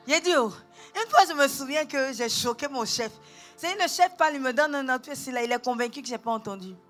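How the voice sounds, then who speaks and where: A woman pastor with a Gabonese French accent, preaching a sermon and telling lively personal stories in a church. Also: high-pitched. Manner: animated, acts out quotes, switches between calm and shouting.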